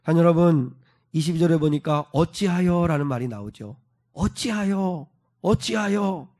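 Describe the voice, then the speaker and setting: A man preaching a sermon as pastor, dramatic in his retelling, building to emphatic peaks and dropping soft again. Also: high-pitched. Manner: dramatic retelling, acting out quoted voices.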